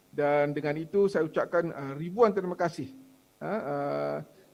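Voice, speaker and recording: A man speaks in a Malaysian accent at a fairly high pitch. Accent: Malaysian Malay. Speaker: university lecturer, architect. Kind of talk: seminar presentation. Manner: hesitant, many fillers.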